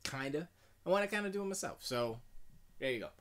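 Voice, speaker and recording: A middle-aged man with a deep voice, chatting casually and rambling in a self-deprecating way while streaming from his home music studio. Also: lively intonation, quick pace, fairly bright tone. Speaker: music producer streaming live. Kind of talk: casual live-stream chat.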